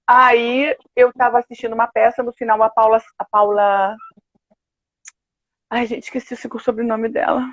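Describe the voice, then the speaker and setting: Animated older Brazilian woman, dull audio. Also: on the high side, measured pace, pauses often, no room sound. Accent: Brazilian Portuguese. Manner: lively storyteller, animated quoted asides. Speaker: guest, opera and musical theatre singer. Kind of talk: casual interview chat. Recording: dull, dry video-call audio.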